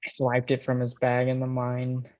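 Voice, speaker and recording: A man's voice: medium pitch, monotone, normal speed, a little mellow, dry recording, muffled recording, lightly acted. An actor playing an eager, tender young laborer courting his sweetheart in a screenplay table read. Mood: tender, playful.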